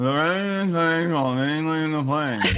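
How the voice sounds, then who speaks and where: A man mumbles in a put-on character voice, pitched fairly high and moving at a fairly slow pace. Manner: mumbling, slurred.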